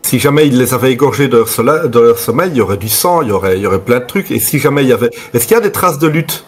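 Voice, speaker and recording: A man's voice: mid-range voice, expressive, racing. A man playing a tabletop roleplaying game, reasoning aloud in casual, colloquial chat with inquisitive questions. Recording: music playing under the voice.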